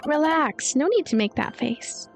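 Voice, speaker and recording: A woman's voice: sits high, sing-song, unhurried, gravelly, soft background music, voice pushed up, exaggerated voice. A woman voicing a tough, self-assured female agent in a visual novel, firm and commanding.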